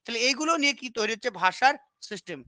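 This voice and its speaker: Woman coaching teacher, crisp bright tone, close dry mic, drills terms, keeps asking if you follow. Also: a little high, animated, very fast, no echo. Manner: repetitive, quizzing, asks "understood?" often. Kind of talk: Bengali lesson on English teaching with repeated questions.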